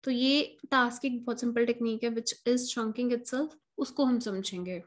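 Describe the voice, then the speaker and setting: A woman, a tutor explaining an exam task in an online lesson, addressing viewers directly and slowing down to stress key words. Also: a little high, steady tone. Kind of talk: online lesson, Hindi mixed with English.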